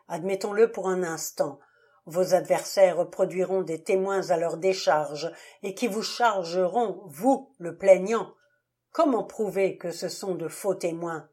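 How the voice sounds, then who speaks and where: A woman reading a novel aloud as an audiobook, calm and measured, with sudden lively bursts for the dialogue. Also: lowish voice. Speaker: audiobook reader. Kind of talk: audiobook narration.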